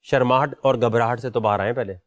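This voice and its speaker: A man's voice: mid-range voice, steady tone, dry recording. A man hosting a talent show audition, questioning a contestant in a teasing, pointed way. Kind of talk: probing audition interview.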